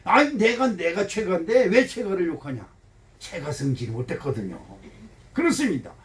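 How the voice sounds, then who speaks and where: A man in his seventies, a pastor giving a folksy, animated sermon and asking his congregation questions. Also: high voice, moderate pace. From Korea. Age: 70s. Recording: voice heard from some distance.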